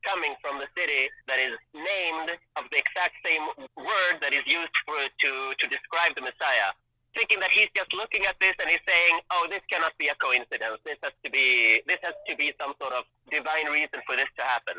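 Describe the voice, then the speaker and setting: Bright-voiced man, native Hebrew speaker. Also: fairly high pitch, brisk, no echo, poor audio. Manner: thoughtful, hesitant with many restarts. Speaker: guest language expert. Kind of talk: casual explanatory chat.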